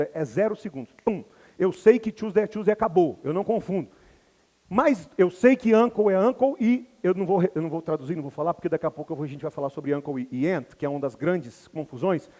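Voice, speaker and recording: A man's voice: sits high, big-room sound. A man from Brazil teaching English to a live audience, telling stories animatedly and acting out the people in them. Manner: animated storytelling, acts out characters. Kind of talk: lively lecture with acted anecdotes.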